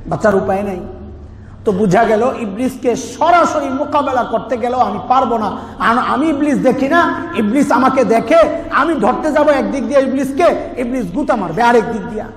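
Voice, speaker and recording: This Bangladeshi preacher's voice is very high-pitched and expressive, moving at a normal speed. His Islamic sermon unpacks scripture through recitation, everyday comparisons and rhetorical questions, delivered in an emphatic, conversational style. Background noise and heavy reverb suggest an echoey hall.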